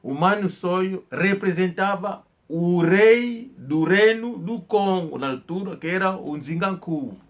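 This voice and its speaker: Um homem que conta história num tom informal, falando de forma enfática, com repetições e hesitações. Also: male voice, high-pitched, animated. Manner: slow, emphatic storytelling with hesitations and repetitions. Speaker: channel host. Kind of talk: informal history talk.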